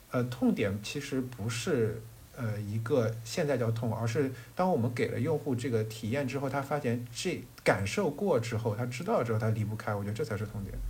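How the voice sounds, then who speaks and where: The delivery holds a moderate pace, and audible room echo rings around it. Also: man, medium pitch for a man, ordinary pitch variation. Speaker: startup founder and product manager. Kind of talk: podcast interview. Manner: hesitant, many filler sounds.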